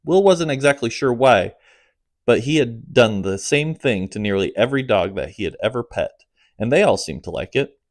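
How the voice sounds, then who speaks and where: A man narrating his own comic audiobook in a steady storytelling manner, dropping low at the ends of phrases. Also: normal speed, no room sound, studio quality.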